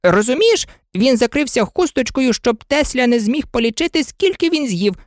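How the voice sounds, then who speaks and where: A woman voicing a contrary, teasing boy twin in a storybook reading, cocky and excitable. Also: high-pitched, normal speed, no echo, studio quality, pitched above the performer's own voice.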